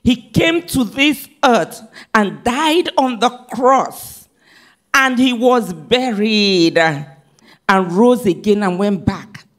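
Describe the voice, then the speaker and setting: A woman pastor delivers a sermon at an unhurried pace. She reads scripture in careful, measured phrases and repeats key lines for emphasis. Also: fairly high pitch, lively intonation, fairly bright tone. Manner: preaching, reading scripture aloud in measured phrases.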